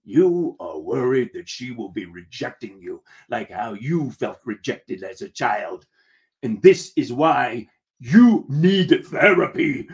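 A man voicing a calm, preachy pirate mate who talks in pirate dialect and therapy-speak in a told story. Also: medium pitch, vocal fry, heavily acted. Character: Rotten Pete, calm, preachy male pirate first mate with a hook.

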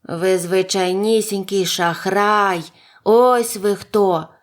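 A woman's voice: mid-range voice, steady tone, takes it slowly, lightly acted. A woman voicing a male scarecrow from a fairy tale, speaking reproachfully.

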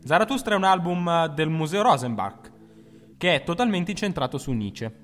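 A man's voice: on the high side, expressive, normal speed, fairly bright tone, in a large hall, a little hiss or hum. A man co-hosting a music history video, joking and chatty in a scripted explainer. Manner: jokey, chatty, self-mocking. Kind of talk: scripted explainer with playful banter.

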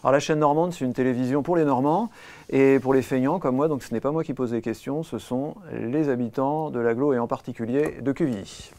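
A man in his thirties hosting a local TV studio interview, asking brisk, lightly teasing questions. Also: mid-range voice, mellow. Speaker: TV host. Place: small TV studio.

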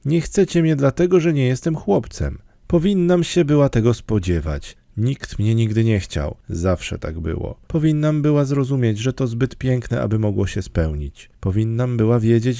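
A man's voice: expressive, normal speed, few pauses, dark tone, dry recording, clean studio sound, close to an everyday voice. A man voicing an emotional, talkative orphan girl in an audiobook, pleading and theatrical. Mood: despairing. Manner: pleading, theatrical, raised higher voice. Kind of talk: audiobook character reading.

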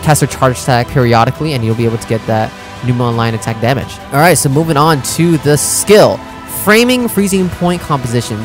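Young guy streamer chatting thru game stuff, normal pitch, kinda thinking out loud, bit of music behind. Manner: informal, thinking aloud. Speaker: streamer reacting to game content. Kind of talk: casual reaction commentary, partly reading aloud.

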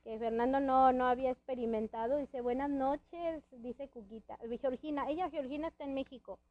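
A woman's voice: high voice, steady tone, brisk, phone-quality sound. A woman hosting a casual live-stream chat from a friend's house, rambling with many restarts and little laughs, her speech a bit hampered by a dental palate. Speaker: host.

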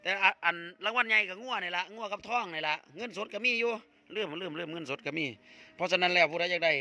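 A man with an Isan accent hosting a village vlog, chatting with a friend and promoting a raffle in a lively, joking way. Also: a little high. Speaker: vlogger host. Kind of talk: casual chat and live promotion.

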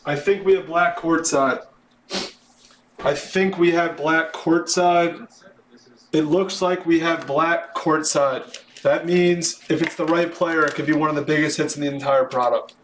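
A man hosting a live sports card break, announcing names in an excitable, drawn-out way, his voice starting to wear. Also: on the high side. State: voice starting to give out. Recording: roomy echo, background noise.

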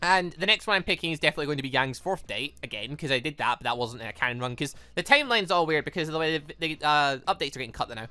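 A man's voice: a little high, animated, very fast, hardly any pauses, bright, forceful tone, dry recording, faint music behind. A man hosting a video game playthrough in a casual, rambling way, chatting about his plans and reading game text aloud. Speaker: let's-play host. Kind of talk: casual gameplay commentary.

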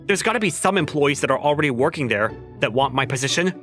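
A man's voice: on the high side, fast, faint music behind. A man voicing a flustered, skeptical young office worker in a manga dub, sounding incredulous and given to inner narration. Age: young adult. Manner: exasperated, incredulous, animated.

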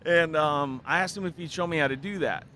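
Earnest bright-voiced man at a trade show. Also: on the high side, a little hiss or hum. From Spokane, Washington, United States. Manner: earnest, thoughtful, measured explanations. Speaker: hairdresser and product developer, guest. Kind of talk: casual interview. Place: booth at a busy trade show hall. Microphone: desk mic on a stand, close.

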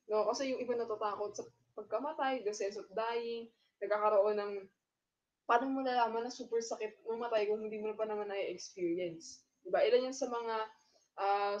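A woman's voice: medium pitch, darkish tone, lo-fi sound. A woman teacher with a Filipino accent gives a recorded lecture to her students. She moves back and forth between Tagalog and English and keeps checking in with a questioning "no?".

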